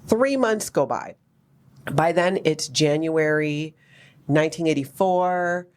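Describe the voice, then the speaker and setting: A woman in her fifties from Hawaii, hosting a podcast and telling her own life story in a candid, wry, animated way with lots of asides. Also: sits low, slow pace, clean tone. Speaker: podcast host. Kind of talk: personal storytelling chat.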